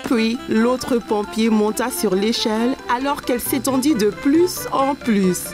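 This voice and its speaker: A woman narrating a French-dubbed children's cartoon like a simple, expressive story for small kids. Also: fairly high pitch, unhurried, over music, natural voice.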